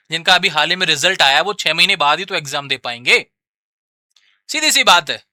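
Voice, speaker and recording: Male host, very bright high voice, dry close mic, casual explainer who repeats himself. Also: dry recording. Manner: repetitive, addresses listeners as brother. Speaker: education channel host. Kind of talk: informal explainer to students.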